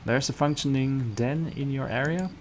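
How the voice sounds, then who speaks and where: A man's voice: mid-range voice, moderate pace, slight background noise, pitched above the performer's own voice, natural voice. A man reading the part of a cynical, world-weary guardsman in a visual novel. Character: gruff, cynical male slum guardsman reporting a murder.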